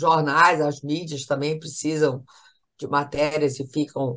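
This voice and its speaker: Very slow speech over a quiet background. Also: woman. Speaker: lawyer and law professor. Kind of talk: interview. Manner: halting, frequent repetitions.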